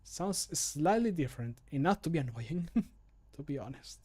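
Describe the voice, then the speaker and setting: A man's voice: on the high side, lively intonation, normal speed, mellow, breathy edge. Casual self-deprecating man muttering to himself. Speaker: streamer and amateur voice actor. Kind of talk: casual chat while working. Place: home room, indoors. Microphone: close desk microphone.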